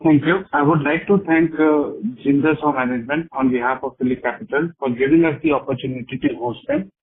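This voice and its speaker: Husky man hosting over a phone line. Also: mid-range voice, fairly even intonation, brisk. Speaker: analyst hosting the call. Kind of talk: formal closing thanks on conference call. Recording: rough narrow phone line.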